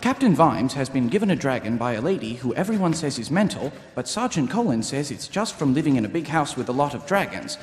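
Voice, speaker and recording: A man's voice: mid-range voice, very animated, fairly quick, few pauses, close to an everyday voice. A man playing a naive, earnest young watchman, stiffly literal, in a live radio comedy. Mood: earnest, proud. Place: live on stage in a large hall. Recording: echoey hall, live stage performance.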